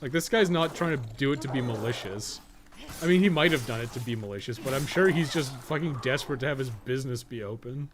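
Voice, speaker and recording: A man's voice: medium pitch, animated, fast. A man in his thirties with a Canadian accent, chatting in a casual, rambling, profane way while playing a game on a livestream. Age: 30s. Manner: profane, colloquial. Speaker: gaming livestream host. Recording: noticeable background noise.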